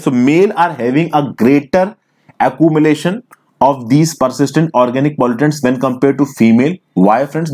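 Man explaining a lesson, mellow voice. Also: medium pitch. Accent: Indian English. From India. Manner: explanatory, repeatedly addresses listeners as friends. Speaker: teacher. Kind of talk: recorded screen lecture.

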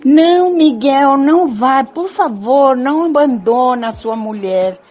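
Woman acting a clinging wife, mellow and slow. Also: sits high, expressive, faint music behind. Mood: pleading. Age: older. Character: devoted, clinging wife begging her husband. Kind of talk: amateur radio soap acting. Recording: dull lo-fi recording.

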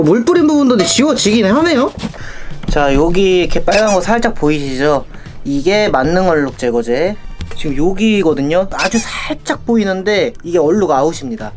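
Lively young Korean-speaking man reviewing products. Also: sits high. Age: young adult. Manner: conversational, polite explaining to viewers. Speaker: product review video host. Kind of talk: casual product test commentary.

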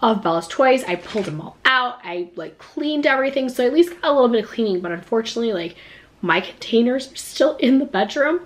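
A woman's voice: on the high side, lively intonation, fast. A woman in her thirties chatting to the camera in her home kitchen, a little stuffed up with a slight cough, full of "like" fillers. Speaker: vlogger. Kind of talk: casual chat to camera. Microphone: camera at close range.

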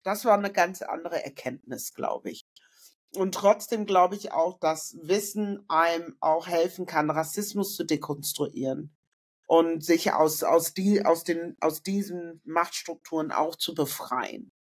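A woman's voice: on the low side, measured pace, breathy edge. A middle-aged woman from northern Germany, a guest in a casual interview, talking reflectively with many fillers and restarts over a video call from a room indoors. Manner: reflective, frequent fillers and self-corrections.

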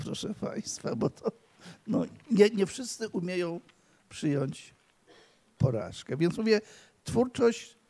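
An older man tells stories to an audience at a library event, wandering from one anecdote to the next and stumbling over his words. His voice is rough and gravelly, with a husky, unpolished edge and a slightly raised pitch for a man. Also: darkish tone. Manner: rambling, with many restarts, stammers and asides to the audience. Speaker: guest of honour speaking at his tribute evening.

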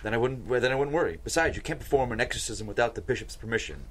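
A man reading the part of a dry, insistent Catholic bishop in a dramatic script table read, brisk and persuasive. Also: mid-range voice, lively intonation, natural voice. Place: small podcast studio. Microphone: close studio microphone.

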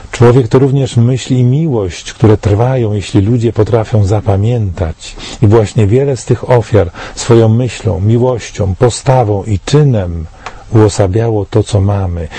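Man in his 60s, solemn and rhetorical, low voice, dark husky tone, studio commentary. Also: dry recording. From Poland. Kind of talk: scripted commentary read to camera.

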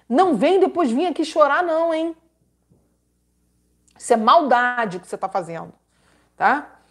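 High, lively, scolding woman host. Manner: emphatic, scolding, dramatic repetitions; religious exclamations. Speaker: host giving relationship advice. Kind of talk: live-stream advice, reading letters aloud.

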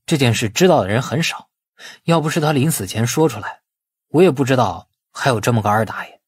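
A male narrator plays a patient young son in an audiobook drama. He reasons conversationally with his mother in a mid-pitched, husky voice, captured dry. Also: expressive, brisk, dry recording. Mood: patient explaining. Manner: explanatory, conversational.

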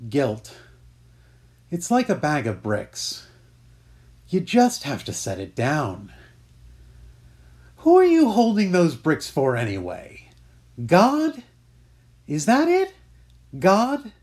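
A man's voice: high-pitched, a little mellow, exaggerated voice. A man playing a bitter, mocking Devil in a theatrical, scornful dramatic monologue. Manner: theatrical, scornful, building to outbursts. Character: bitter, mocking male Devil railing against God. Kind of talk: dramatic monologue for voice-over demo.

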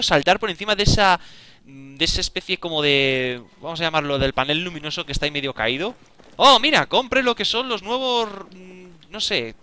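Young man, very bright voice, excitable gameplay commentary, faint background noise. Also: on the high side. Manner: excitable, talks to himself, swears and exclaims often. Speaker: gaming video creator.

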